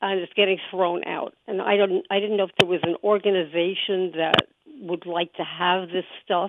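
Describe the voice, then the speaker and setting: At a moderate pace, a woman with a fairly low pitch speaks in a monotone, flat way. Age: 80s+. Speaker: caller. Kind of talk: call-in question. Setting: phone call.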